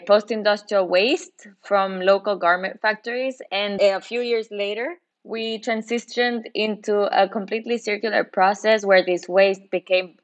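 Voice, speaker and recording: A woman's voice: mid-range voice, highs cut off. A woman from Guatemala, a podcast guest, answering earnestly in a conversational way. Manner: earnest, with occasional restarts.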